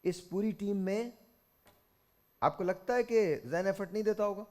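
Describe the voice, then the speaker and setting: A man's voice: sits high, a little slow. A man with a Pakistani accent hosting a game show, lecturing contestants sternly and slipping into English phrases.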